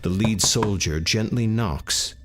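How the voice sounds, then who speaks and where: A man reading a tabletop game's story text aloud as narrator, steady and measured. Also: lowish voice, noisy background. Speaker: game narrator.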